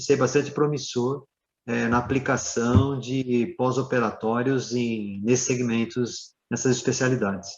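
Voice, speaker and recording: Man with a muffled lo-fi voice. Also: medium pitch. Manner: hesitant, many fillers and tag questions. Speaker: dentist guest. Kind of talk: live Q&A explanation.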